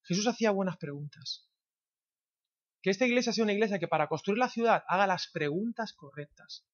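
A man's voice: high voice, expressive, fairly quick. A man from preaching a sermon in a church, firing rhetorical questions at the congregation. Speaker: pastor. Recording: dull slightly lo-fi sound.

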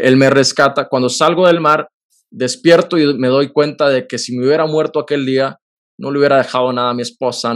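A man's voice: mid-range voice, a bit bright. A man, hosting a Christian talk and telling a personal testimony in an earnest, emotional way. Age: 30s. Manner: earnest, emotional storytelling with quick bursts. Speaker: podcast host. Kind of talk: Christian testimony in casual conversation.

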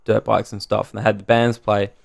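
A man in his thirties, a podcast co-host telling stories in relaxed casual chat, swearing now and then. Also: lowish voice, a little fast, vocal fry.

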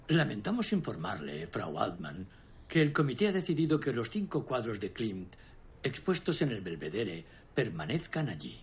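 An actor playing a formal, deliberate committee official in a film drama. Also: male voice, medium pitch, slight background noise. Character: formal, measured male committee official delivering rulings.

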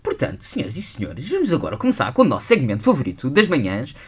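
Fast-talking young man, radio host. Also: medium pitch, wildly swooping pitch, a crowd in the background. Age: young adult. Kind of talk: lively morning radio banter. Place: radio studio.

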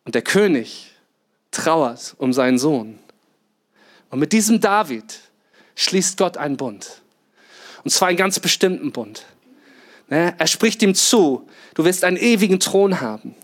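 Male pastor, higher than usual voice, lively sermon storytelling with acted-out lines and questions to the congregation. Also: slow pace, long pauses. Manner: lively storytelling, acts out quotes, rhetorical questions.

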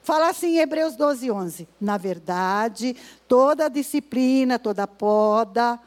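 Woman preacher, high voice, slow weighty scripture reading, mimics complainers. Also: expressive. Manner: acts out complaining voices in asides. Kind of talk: sermon at a women's service.

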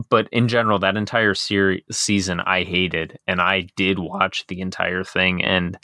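A man's voice: low voice, sharp tone, dry recording, studio quality. A man co-hosting a podcast in casual chat, rambling with many filler words. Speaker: podcast co-host.

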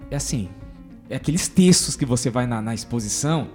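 A man's voice: medium pitch, brisk, soft background music. A man hosting an interview, asking questions and reflecting with enthusiasm. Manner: enthusiastic, reflective, lively intonation. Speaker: host. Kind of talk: casual interview chat.

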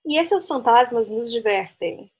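A woman's voice: a little high, lively intonation, normal speed, a little mellow, slightly rough. A woman from Brazil, co-hosting a casual chat podcast, chatty and laughing often. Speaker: podcast co-host.

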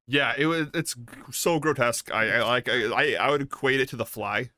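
A man's voice: mid-range voice, a little fast, pushed and bright, dry recording. A man chatting casually as a co-host reviewing a film, emphatic and given to repeating words. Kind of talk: casual chat.

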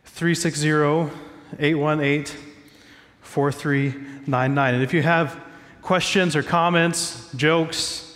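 A man's voice: fairly high pitch, fairly even intonation, slow, a bit bright, long reverb tail. A man preaching a sermon as pastor, stuffy from a cold, talking in a conversational, self-joking way from a church stage.

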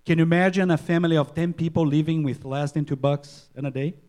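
A middle-aged man with a Portuguese-speaking accent, a missionary doctor giving an earnest church presentation with halting restarts and repeated words. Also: fairly high pitch, steady tone, darkish tone. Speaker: missionary physician.

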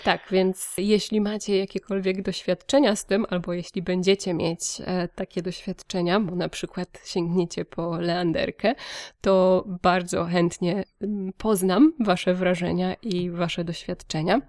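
A woman's voice: on the low side, little pitch movement, unhurried, a little mellow, dry recording, studio quality. A woman co-hosting a book podcast, reviewing books conversationally in a reflective, hesitant way with repeated words.

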